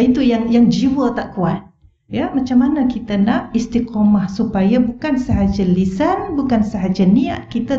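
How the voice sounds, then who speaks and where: A woman's voice: medium pitch, warm tone. Malaysian woman lecturing in a roomy mosque hall. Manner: earnest, rhetorical questions to the audience. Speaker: religious lecturer. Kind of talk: religious lecture. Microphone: wireless mic. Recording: roomy, dull-toned hall recording.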